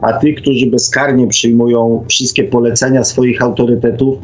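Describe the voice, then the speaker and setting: A man hosting a reflective radio discussion, speaking haltingly and often adding tag questions. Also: medium pitch, level tone, a little mellow, a little hiss or hum, poor audio.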